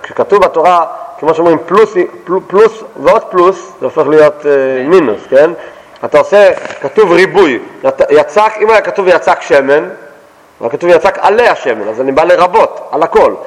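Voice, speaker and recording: Higher-voiced man teaching, echoing room. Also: lively intonation. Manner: quotes a verse, then explains it in plain everyday words; asks and answers his own questions. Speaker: Torah teacher. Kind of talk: text study lesson.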